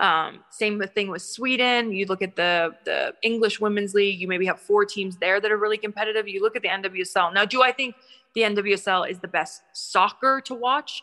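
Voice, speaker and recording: Her tone bright and sharp, a woman talks fairly quickly with fairly even intonation and hardly any pauses. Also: medium pitch for a woman. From Canada. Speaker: former footballer turned TV presenter. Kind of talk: casual interview chat. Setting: video call from home in Montana.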